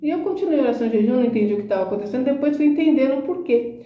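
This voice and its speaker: A woman's voice: high voice, expressive, very fast, dull audio. Woman preaching earnestly, roomy sound. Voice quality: earnest, emphatic preaching with rhetorical questions. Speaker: Christian speaker. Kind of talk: conversational sermon with testimony.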